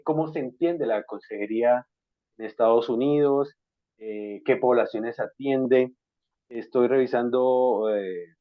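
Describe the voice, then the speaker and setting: A man from Colombia hosting an interview on a video call, courteous and measured with frequent hesitations. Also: mid-range voice, no room sound. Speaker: interviewer, school counselor. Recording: dry, tinny call audio.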